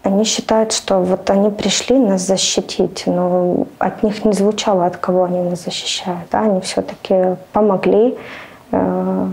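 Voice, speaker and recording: Woman interviewee, gravelly mellow voice, flat halting delivery. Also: mid-range voice, low-quality recording. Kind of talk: emotional testimony.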